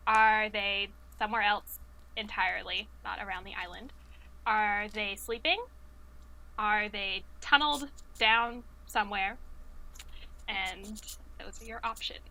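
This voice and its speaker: A woman's voice: mid-range voice, fairly even intonation, measured pace, bright, forceful tone, rough recording. A woman hosting a quiz, reading out trivia questions and chatting casually with the players. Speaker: quiz host.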